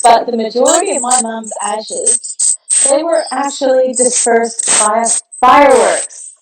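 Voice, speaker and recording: A middle-aged woman from the American Midwest, a guest telling her story in a warm, reflective way over a video call. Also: on the high side, measured pace. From Kansas, American Midwest. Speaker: guest, balm founder. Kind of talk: casual video interview. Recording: echoey room, distant mic, background noise.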